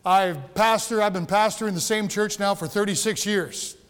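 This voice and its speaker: A man's voice: sits high, moderate pace, fairly bright tone, clean tone, long reverb tail. A man in his sixties from Michigan, a longtime pastor preaching a sermon in a church in a folksy, joking way with many restarts. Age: 60s. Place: church sanctuary.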